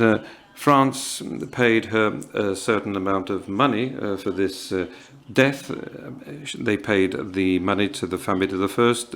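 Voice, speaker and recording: A man in his fifties from Morocco, speaking at a writers' panel in a halting, earnest way, with many pauses and fillers. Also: fairly low pitch. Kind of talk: reflective festival panel talk.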